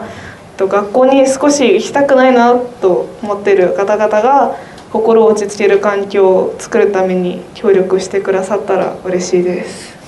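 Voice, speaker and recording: A woman's voice: medium pitch, a little mellow. A teenage girl, a student guest, reading her own essay aloud in a careful, earnest way. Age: teens. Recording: roomy sound with faint noise.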